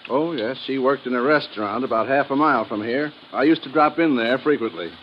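Man playing matter-of-fact legation official, middle-pitched, earnest, 1950s radio drama, dull noisy recording. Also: brisk, natural voice.

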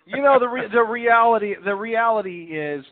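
A man's voice: very high-pitched, expressive, moderate pace. Talkative man on a tinny phone line. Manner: talkative, explanatory, with repeated words and false starts. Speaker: stage hypnotist, interview guest. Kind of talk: casual radio interview.

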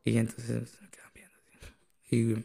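A man with a US Latino Spanish accent in casual, anecdotal conversation. His voice is very creaky and husky, with a dark, mellow tone. He slips between languages and often tags phrases with a little questioning check. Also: medium pitch, completely flat delivery, normal speed. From Latin American immigrant living in the United States. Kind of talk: casual chat, telling personal anecdotes.

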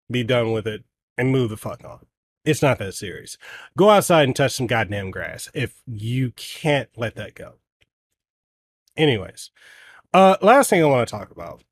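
A man hosting a gaming podcast, ranting bluntly and heatedly, with plenty of swearing. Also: medium pitch. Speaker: podcast host. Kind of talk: ranting solo podcast talk.

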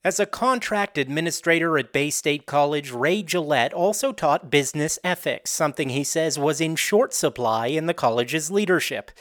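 A man's voice: fairly high pitch, lively intonation, moderate pace, few pauses, a bit bright, no room sound. Man filing a scripted radio report, dry.

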